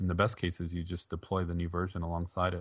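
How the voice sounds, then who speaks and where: A man with a very deep, low pitch speaks in a monotone, flat way at a fairly quick pace over a quiet background. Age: 40s. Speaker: software engineering executive and author. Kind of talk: interview. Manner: halting, many fillers.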